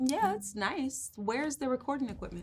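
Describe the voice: A woman puts on a character voice at a moderate pace, pitched high with a slightly husky edge and big pitch swings.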